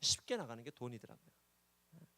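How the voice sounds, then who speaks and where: A man's voice: medium pitch, very animated, brisk, sharp tone. A male pastor preaching a sermon, telling a story and repeating key words for emphasis, often checking in with the congregation. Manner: prompts the congregation with "예?".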